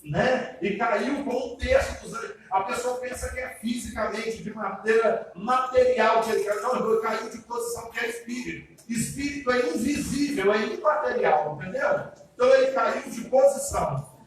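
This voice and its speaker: A man's voice: very high-pitched, moderate pace. A man preaching as pastor, chatty and speaking straight to the congregation with frequent check-in questions. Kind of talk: sermon, question and answer service. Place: church hall. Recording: very echoey church hall, heard from a distance with faint noise.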